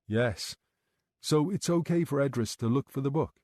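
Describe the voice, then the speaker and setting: A man voicing a calm, patient male detective who questions people gently and in a measured way. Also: mid-range voice, no room sound, clean studio sound, lightly acted.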